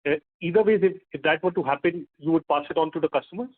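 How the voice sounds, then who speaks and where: A man asking questions as an investment analyst on an earnings call, phrasing them haltingly. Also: a little high. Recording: narrow phone-like conference line.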